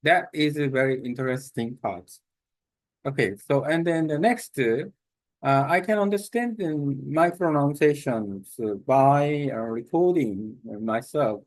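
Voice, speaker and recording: Halting man, slow and hesitant. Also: fairly high pitch, dry recording. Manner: halting, many fillers and restarts. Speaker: language learner. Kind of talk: casual self-recorded talk.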